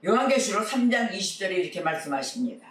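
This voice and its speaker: A man's voice: high-pitched, big pitch swings, fast talker, a bit bright, echoey room, distant mic. A man preaching a sermon as pastor, earnestly exhorting his congregation.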